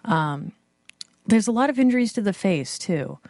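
A woman's voice: medium pitch, animated, moderate pace, darkish tone, no room sound. A young woman co-hosting a podcast, chatting casually with lots of fillers and self-deprecating asides. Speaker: podcast co-host. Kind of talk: casual chat about comics.

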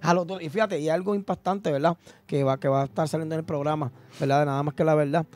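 A man's voice: fairly high pitch, fairly even intonation, quick pace, darkish tone, soft background music. A man hosting a Christian radio talk, quoting Bible verses and backing up his guest. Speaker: Christian radio host, evangelist. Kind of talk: preaching in casual radio talk.

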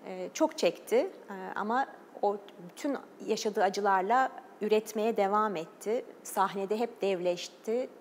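A woman's voice: mid-range voice, a little slow, hardly any pauses, long reverb tail, slight background noise. A woman, a journalist and documentary maker, speaking earnestly as a TV interview guest, with fillers and short laughs. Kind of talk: TV interview talk.

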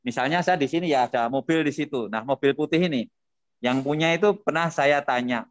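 An older man speaking at a seminar over a video call, casual talk with lively storytelling. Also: medium pitch, brisk, dry recording, lo-fi sound. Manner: lively storytelling with acted quotes.

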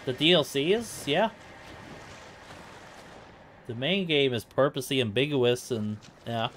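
A man's voice: medium pitch, expressive, measured pace, a bit bright, a little hiss or hum. An eighteen-year-old man giving casual, playful live commentary as he speedruns a video game.

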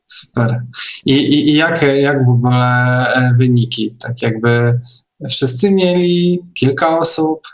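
A man hosting a casual online interview, speaking in a hesitant, halting way. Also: mid-range voice. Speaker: host of an online meeting. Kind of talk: casual interview over a video call.

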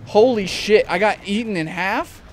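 A young man commentating his gameplay at a desk mic at home, jumpy and swearing, often breaking into panicked shouts. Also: high voice, normal speed, a little hiss or hum. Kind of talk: let's play commentary.

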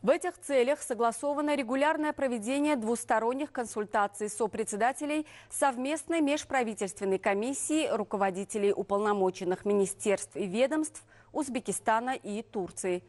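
A woman news reader delivering formal scripted news in an official, measured manner. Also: a little high, darkish tone.

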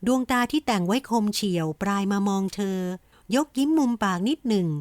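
A woman narrating a romance audiobook in an even, gentle storytelling manner. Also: medium pitch, fairly quick, no room sound. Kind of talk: scripted romance novel narration.

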